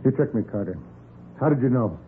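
A man's voice: medium pitch, animated, brisk, phone-quality sound, close to an everyday voice. A man playing a desperate, bitter killer with a menacing, melodramatic delivery in a 1940s radio crime drama. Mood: bitter, cornered. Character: desperate male murderer, armed, threatening, bitter and self-justifying. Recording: band-limited, noisy 1940s radio recording.

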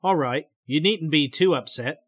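A man reading the lines of a doctor who calmly and gently guides a patient through hypnosis. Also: on the high side, normal speed, breathy edge, no room sound. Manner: calm, gentle, reassuring. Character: calm male doctor guiding a hypnosis session.

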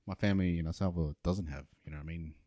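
An Australian man co-hosting a podcast, chatting in a quick, relaxed, joking way. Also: low voice, no echo, studio quality. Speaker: podcast co-host. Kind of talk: casual interview chat.

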